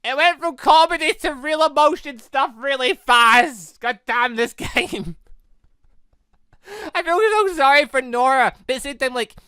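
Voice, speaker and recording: A let's play host offers emotionally reactive, rambling commentary on a story game, mixing playthrough remarks with dialogue read aloud. The voice is high-pitched and sharp in tone, and a little slow.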